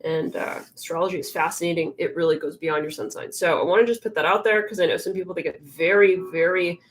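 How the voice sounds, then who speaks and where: A woman's voice: lowish voice, fairly even intonation, fast talker. A young woman hosting a live tarot stream, chatting casually with lots of fillers, her voice a little congested. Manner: rambling, filler-heavy, chatty, often murmurs to herself.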